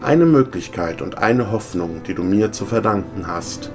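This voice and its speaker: A man voicing the tormented, chained ghost of an old business partner, speaking gravely and lamenting. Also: fairly low pitch, lively intonation, normal speed, music in the background, close to an everyday voice. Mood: mournful.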